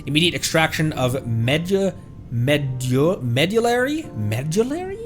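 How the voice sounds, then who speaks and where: Over background music, a male VTuber livestreams a game, reading its text aloud with casual reactions and occasional stumbles he corrects. His voice sits a little high, swings widely in pitch, and keeps a measured pace.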